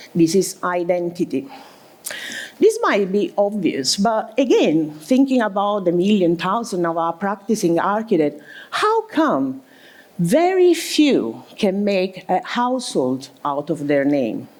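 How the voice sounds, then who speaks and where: Speaking fairly slowly in an Italian accent, a woman swings her pitch very widely. Noticeable background noise runs underneath. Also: medium pitch for a woman. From Italy. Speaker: architect. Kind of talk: keynote talk. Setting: stage with audience.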